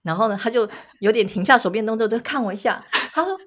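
A woman's voice: fairly high pitch, very fast. Teasing woman podcast host. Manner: teasing storyteller, bursts into laughter. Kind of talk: casual chat.

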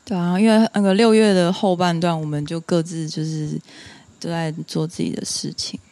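A woman's voice: on the low side, little pitch movement, moderate pace, mellow. A woman with a Taiwanese Mandarin accent in casual conversation. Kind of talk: casual chat.

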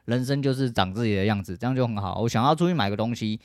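Fast-talking, foul-mouthed podcast guy. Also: medium pitch, darkish tone, no room sound, studio quality. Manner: rambling, profane, laid-back. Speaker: podcast host. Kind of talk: casual monologue.

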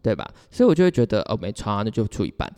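A man's voice: on the low side, big pitch swings, very fast, mellow. A man with a Taiwanese Mandarin accent chatting casually as a podcast co-host and telling personal stories in a giggly, rambling way. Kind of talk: casual chat, personal storytelling. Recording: reverberant, hall-like sound.

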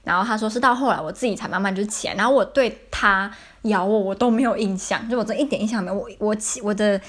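A woman's voice: mid-range voice, quick pace. Young woman, Taiwanese Mandarin accent, chatty podcast host, casual storyteller. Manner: chatty, repeats herself, many fillers.

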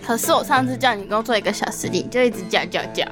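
A woman's voice: on the high side, fast, natural voice. A woman voicing a skeptical lamp genie who sets firm terms in a children's storybook. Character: lamp genie, skeptical, stern taskmaster to its master. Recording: music behind the voice.

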